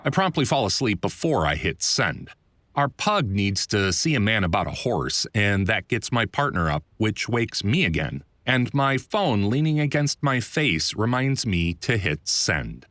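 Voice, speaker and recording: A man narrates a first-person audiobook in a fairly low voice, recorded close and dry. His delivery is very lively in pitch, with a conversational, self-deprecating wit. It sounds like a polished scripted read that still talks directly to the listener. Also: measured pace, dry recording. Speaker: audiobook narrator, author reading own book.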